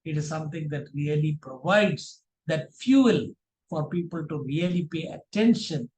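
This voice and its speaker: A man teaching a public speaking workshop, speaking deliberately in short, emphatic phrases. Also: a little high, expressive, darkish tone, slight background noise. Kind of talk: instructional workshop presentation. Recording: roomy, echoing sound.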